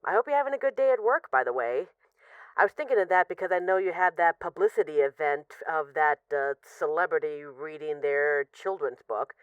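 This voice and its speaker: In an audio roleplay, a woman plays an affectionate, wry mafia boss who misses her partner, rambling through intimate voicemails with hesitation, sighs and a wistful, apologetic mood. Her low, smooth voice moves fairly quickly and sounds close to everyday speech. The audio is phone-quality with no echo.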